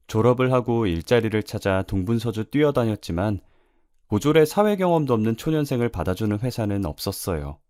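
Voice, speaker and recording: A man reading a first-person life story aloud in a steady storytelling manner. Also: lowish voice, no room sound, clean studio sound. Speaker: story reader.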